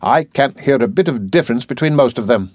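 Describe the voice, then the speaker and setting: A man voicing a polite, weary genteel gentleman. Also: medium pitch, expressive, fairly quick, no room sound, lightly acted.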